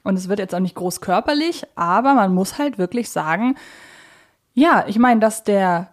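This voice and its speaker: A woman's voice: mid-range voice, animated, moderate pace. Reflective woman podcaster. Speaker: podcast co-host. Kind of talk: casual conversational podcast discussion.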